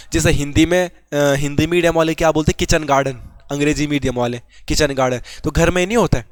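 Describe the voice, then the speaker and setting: Chatty and informal, a young man from Garhwal in Uttarakhand teaches exam prep, posing questions and answering them on his own. He has a fairly high-pitched voice, and there's no echo.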